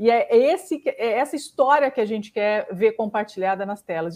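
With an unremarkable speaking voice, a woman talks at a fairly quick pace and a fairly high pitch, using lively intonation. The recording is very clean and the background silent. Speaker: podcast co-host, business partner. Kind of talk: casual chat.

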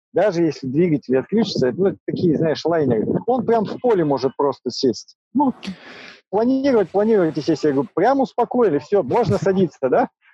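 A man with a high pitch and a dark, mellow tone talks at a fairly quick pace with very wide pitch swings, in dry, close sound with no echo. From Russia, Urals (Nizhny Tagil). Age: 40s. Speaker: footballer. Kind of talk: casual interview. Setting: video call.

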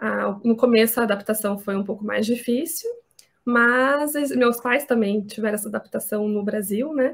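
Fairly high, somewhat breathy speech from a woman, fairly slow in pace, with ordinary pitch variation. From Brazil, Curitiba. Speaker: dentist and parenting educator. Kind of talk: interview.

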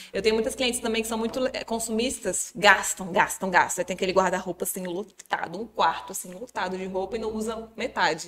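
The woman talks at a fairly quick pace with fairly even intonation. Her pitch is medium, and there is noticeable background noise. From Brasília, Brazil. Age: 30s. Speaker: image consultant. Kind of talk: casual chat.

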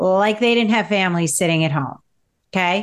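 A woman speaks at a medium pitch with lively intonation and an unremarkable speaking voice. The background is quiet. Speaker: divorce expert and co-parent. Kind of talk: interview chat giving advice.

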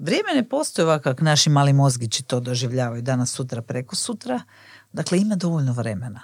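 On a very clean recording with a silent background, a woman speaks at a very fast pace in a very deep, low pitch. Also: lively intonation. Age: 40s. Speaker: body psychotherapist and teacher. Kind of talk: interview.

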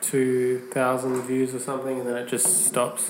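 The speaker has an Australian accent. Audible room echo and noticeable background noise fill the recording. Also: man. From Perth, Australia. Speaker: podcast host. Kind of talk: casual chat.

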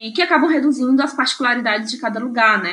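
A woman talks with a Piauí accent. Her tone is bright and sharp. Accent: Northeastern Brazilian (Piauí). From Piauí, Brazil. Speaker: podcaster. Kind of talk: casual chat.

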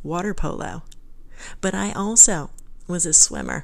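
A woman's warm, upbeat tone with ordinary pitch variation. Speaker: meditation teacher and podcast host. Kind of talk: solo podcast monologue, casual ramble. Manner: warm, upbeat, rambling.

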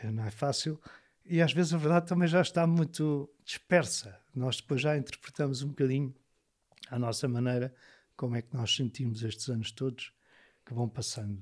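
A man with an unremarkable speaking voice talks at a moderate pace. His pitch sits at a medium level, with ordinary variation. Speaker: interviewee, host's uncle. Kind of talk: casual chat. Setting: studio.

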